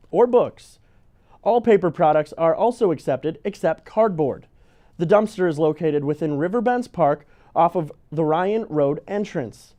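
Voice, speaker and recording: Male local newsreader, high pitch, mellow tone, reading scripted items. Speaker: local news presenter. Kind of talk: scripted news narration.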